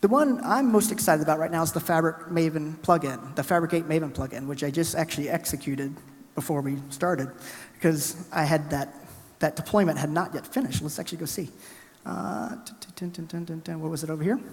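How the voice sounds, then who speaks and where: Tech speaker, male, from the US South: quick, chatty, a bit high-pitched, reverb from the conference hall. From Alabama, US South. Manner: fast, energetic, chatty presenter narrating his screen. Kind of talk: live tech conference talk with coding demo.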